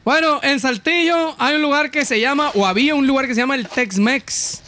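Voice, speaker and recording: A man's voice: extremely high pitch, a little fast, sharp tone, slight background noise. A man with a Mexican accent casually telling a spooky local story on a podcast, slangy and jokey. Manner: slangy, jokey, laughs often. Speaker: podcast host.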